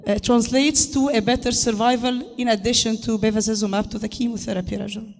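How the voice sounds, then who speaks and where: A woman with a harsh, hoarse voice gives a formal medical lecture as a conference speaker, in a halting, hesitant delivery. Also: on the high side, fairly even intonation, a little mellow. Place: large conference hall. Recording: echoey hall, long reverb.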